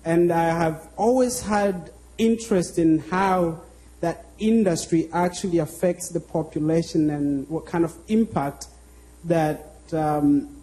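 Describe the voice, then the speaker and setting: A man's voice: on the high side, slow pace, mellow, poor audio. A man from Tanzania, introducing himself on a university panel in an easygoing way. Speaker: panel speaker.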